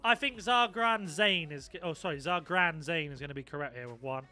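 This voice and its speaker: A man's voice: on the high side, brisk, sharp tone, faint music behind. A young man chatting casually on a live stream, swearing freely and reacting to his viewers. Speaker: gaming streamer.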